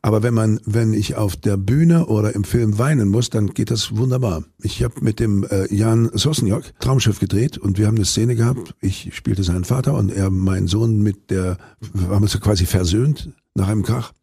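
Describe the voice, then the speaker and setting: Brief: older male actor, deep gravelly timbre, loose anecdotal delivery with restarts, dry close sound. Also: normal speed, mellow, dry recording. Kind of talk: interview answers.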